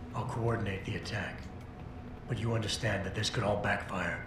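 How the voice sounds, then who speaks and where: A put-on character voice from a man, fairly low in pitch, at a moderate pace, with loud background noise and a slight echo. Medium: machinima. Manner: terse, low-key.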